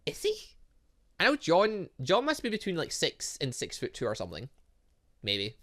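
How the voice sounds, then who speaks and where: A man's voice: on the high side, wildly swooping pitch, normal speed, fairly bright tone. A man reading visual novel dialogue aloud as a gaming host, breaking off into casual asides and exclamations.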